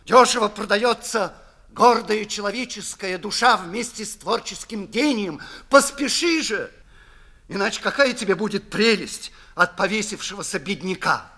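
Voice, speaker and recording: An actor playing a poor, proud young violinist who cries out in wild despair. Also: male voice, high voice, sharp tone, voice pushed up, exaggerated voice. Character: desperate young male street violinist, proud and furious.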